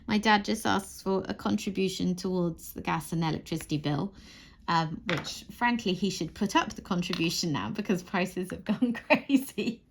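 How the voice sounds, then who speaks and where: A woman in her thirties chatting away as she crafts, rambling and laughing softly, often restarting her sentences. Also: on the low side, moderate pace, a little hiss or hum. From Wales. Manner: rambling, warm, frequent soft laughs and restarts. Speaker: crafting channel host. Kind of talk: chatty monologue while crafting.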